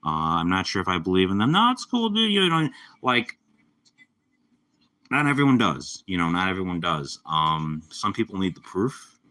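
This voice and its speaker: A young man with a slightly raspy voice from a cold, chatting casually and rambling on a live stream. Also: sits low, very animated, moderate pace, sharp tone. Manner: rambling, laid-back, lots of fillers. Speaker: livestreamer.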